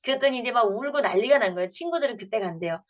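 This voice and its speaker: A woman's voice: fairly high pitch, animated, very fast. A woman in her fifties, a pastor giving a church lecture to parents, telling family stories in an earnest way and acting out the dialogue.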